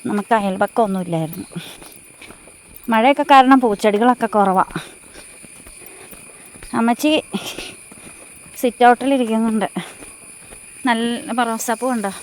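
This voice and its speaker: A woman's voice: fairly high pitch, moderate pace, pauses often. A middle-aged woman with a central Kerala Malayalam accent, talking casually through a walking vlog and cooing to her animals outdoors. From Thodupuzha, Kerala. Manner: chatty, coos and calls out to animals. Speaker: vlogger. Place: outdoors on a rural farm path.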